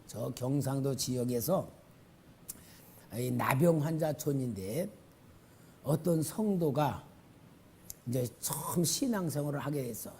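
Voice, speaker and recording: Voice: mid-range voice, dark tone, slight background noise. A pastor preaching a Friday prayer meeting sermon in a church, telling stories and building up to emphatic declarations.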